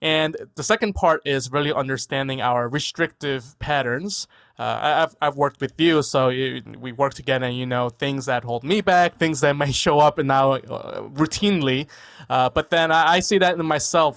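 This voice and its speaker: A man's voice: a little high, a bit bright. A man in his forties from New York, a guest physician whose first language was Korean. He talks in a casual, thoughtful way, repeats words and often tags on "right?", speaking over a video call from a room at home. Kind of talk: casual interview talk.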